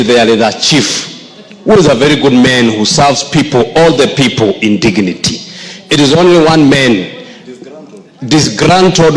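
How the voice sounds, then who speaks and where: A Kenyan man with a mid-pitched voice speaks formally in parliament. He insistently repeats his phrases, and long reverb from a large hall trails his words. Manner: insistent, repetitive, stumbling on phrases. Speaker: member of parliament. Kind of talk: parliamentary point of information. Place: large indoor parliament chamber.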